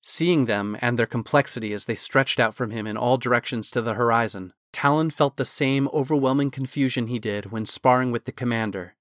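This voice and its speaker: A man reading a fantasy novel chapter aloud as a narrator, in a steady, measured storytelling manner. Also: mid-range voice, dry recording, clean studio sound.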